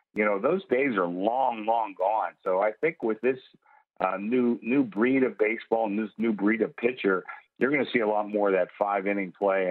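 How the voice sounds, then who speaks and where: A man's plain, everyday voice sits at a fairly low pitch with fairly even intonation. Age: 60s. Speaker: sportsbook director. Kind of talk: radio interview. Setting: phone or remote call.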